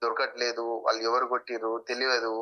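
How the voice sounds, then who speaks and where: A man's voice: mid-range voice, monotone, fast, lo-fi sound. A man with a Telangana Telugu accent giving an interview account as a local activist, insistent and repeating his points.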